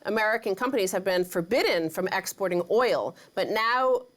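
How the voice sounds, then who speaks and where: A woman's voice: mid-range voice, lively intonation, normal speed. A woman hosting an interview, asking long questions with many false starts and restarts. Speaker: host.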